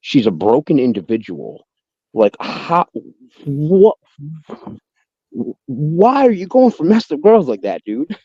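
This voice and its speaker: A man's voice: on the high side, very animated, slow, pauses often, dark tone, slightly rough, no echo, lo-fi sound. A man in casual chat who talks emphatically, often repeating and stammering over his words. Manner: emphatic, repetitive, stammering appeals.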